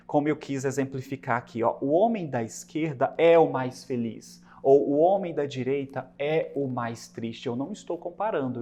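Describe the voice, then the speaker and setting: A man with a Brazilian Portuguese accent, teaching a recorded English lesson, explaining patiently, asking the class rhetorical questions and slowing down on example sentences. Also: mid-range voice.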